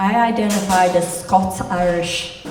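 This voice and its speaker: Audible room echo and noticeable background noise surround a woman with an American accent speaking in a fairly low pitch with fairly even intonation. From Pittsburgh, Pennsylvania. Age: 70s. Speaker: storyteller and author. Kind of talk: personal storytelling.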